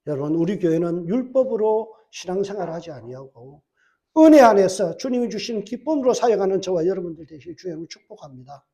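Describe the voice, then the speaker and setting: A man's voice: high voice, animated, fast, dark tone. A male pastor preaching a church sermon, putting rhetorical questions to the congregation and answering them with emphatic, repeated phrases. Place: church service.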